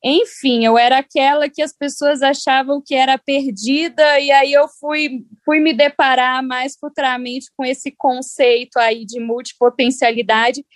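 A woman's voice: high voice, fairly even intonation, a little slow, few pauses, dry recording. A woman from Brazil with a Brazilian accent, chatting casually as an interview guest and often seeking agreement. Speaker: podcast guest.

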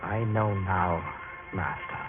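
An actor playing a humbled, reverent follower of a religious teacher in an old radio drama. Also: male voice, low voice, takes it slowly, narrow, tinny audio. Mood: reverent, hushed. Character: humbled male listener of the Master, reverent. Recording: thin old radio sound, loud music behind.

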